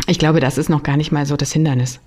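A woman's voice: low voice, steady tone, quick pace, a little mellow. Candid, slangy woman from Berlin. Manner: candid, slangy, with self-corrections. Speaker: podcast co-host. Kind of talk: casual conversational podcast.

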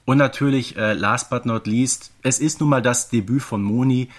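Male podcast co-host, medium pitch, emphatic yet conversational. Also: normal speed. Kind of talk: casual conversational podcast discussion.

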